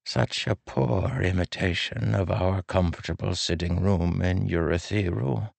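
A man voicing a frail, weary old king who speaks with a soft, drawn-out, sorrowful delivery. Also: low-pitched, fairly even intonation, creaky, dry recording, voice pushed up, exaggerated voice. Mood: melancholy. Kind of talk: audiobook character voice.

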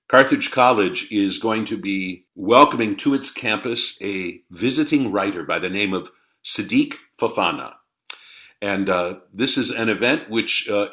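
A man hosting a morning radio interview show, introducing his guest in a measured, formal way with frequent "uh" pauses. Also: on the low side, fairly bright tone. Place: radio studio.

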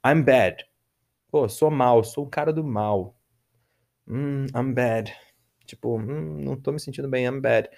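A man with a Brazilian Portuguese accent teaching English vocabulary in a casual podcast lesson. He talks in relaxed slang and slows right down to model English words for listeners to repeat. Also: mid-range voice.

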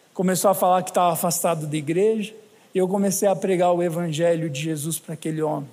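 High-voiced Brazilian pastor in a hall. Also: male voice. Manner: humorous storytelling, chatty asides to the congregation. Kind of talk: sermon. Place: church hall. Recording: long hall reverb.

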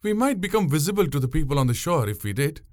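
Guy doing a bossy young boat girl, teasing, higher voice, lots of swing. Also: big pitch swings, fast, a little mellow, no echo, clean studio sound. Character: sharp-tongued young woman boat pilot.

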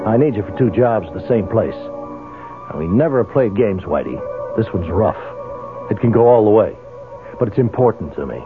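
An actor playing a determined, vengeful man in a radio drama, insistent and persuasive, with a husky voice. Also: on the low side, animated, normal speed, over music. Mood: grimly determined. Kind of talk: 1970s radio drama acting. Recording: narrow, phone-like old radio sound.

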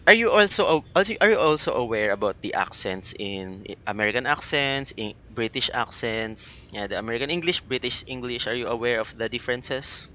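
A man's voice: medium pitch, animated, brisk, hardly any pauses, bright, forceful tone, dull audio. A man with a Filipino accent, co-hosting a casual chat and explaining his points earnestly with many restarts. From Philippines. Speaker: podcast co-host.

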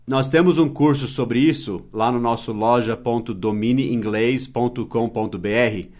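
Patient bilingual man teaching a lesson. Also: medium pitch. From Brazil. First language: English. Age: adult, past his teens. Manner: explains patiently, drops English example phrases into his talk. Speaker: English teacher, podcast host. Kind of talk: casual mini-podcast lesson.

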